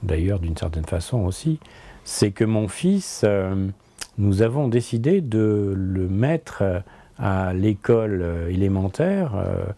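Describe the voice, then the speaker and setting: Man, 60s, native French speaker, interview guest; low, dark, husky tone; reflective, hesitant delivery. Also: lively intonation. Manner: thoughtful, halting, frequent repetitions and hesitations. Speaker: interviewee, philosopher and translator. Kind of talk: conversational interview. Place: book-lined office, indoors.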